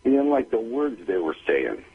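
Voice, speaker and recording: A man's voice: mid-range voice, very animated, normal speed, husky. A middle-aged man calling in to a radio show, chatting and complaining in a rambling, repetitive, coarse way. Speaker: call-in guest, talent manager. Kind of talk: casual complaining chat. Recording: dull muffled phone line.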